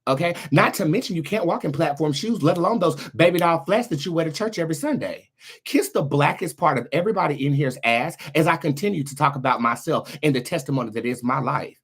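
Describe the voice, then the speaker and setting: Sassy man with a husky edge. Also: on the high side, expressive, quick pace, a bit bright. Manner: sassy, theatrical, foul-mouthed. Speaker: host of a tarot livestream show. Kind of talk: livestream monologue, motivational chat.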